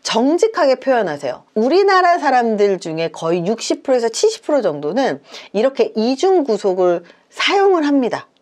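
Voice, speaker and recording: A woman's voice: on the high side, very animated, normal speed, few pauses, darkish tone. A woman psychologist giving advice on communication, explaining point by point in numbered steps. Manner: explains in numbered points, acts out example lines.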